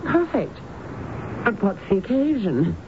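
A married woman in a vintage radio drama, anxious and tender toward her husband. Her voice sits at a middle pitch and her delivery is hesitant. The recording is muffled, with heavy background noise. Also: big pitch swings. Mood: cheerful, weary. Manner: hesitant, halting. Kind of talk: old-time radio drama acting.

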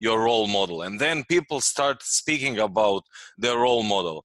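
Bright, dry-sounding interviewer man. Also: on the low side, animated, dry recording. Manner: halting, restarts, asks leading questions. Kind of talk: conversational interview.

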